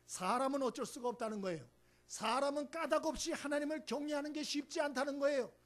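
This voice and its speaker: A male senior pastor giving a Sunday sermon in a church, talking to the congregation in a conversational, emphatic way and often checking in with a rhetorical "eh?". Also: very high-pitched. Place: church sanctuary.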